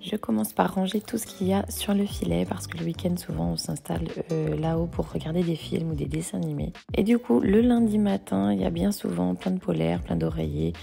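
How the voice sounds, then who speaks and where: A home cleaning vlogger in her thirties narrates her chores step by step in a large modern house, chatty and self-motivating. Her fairly low, dark, creaky voice is animated and fairly quick, with hardly any pauses, and the echoey room carries faint background music.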